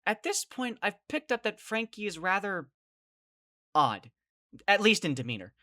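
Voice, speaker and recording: An actress playing a bewildered, exasperated kid, telling the story in dramatic first person in an audio drama. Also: female voice, medium pitch, big pitch swings, a little slow, a bit bright. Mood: brooding, narrating. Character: bewildered, exasperated young kid narrating an apocalypse ordeal.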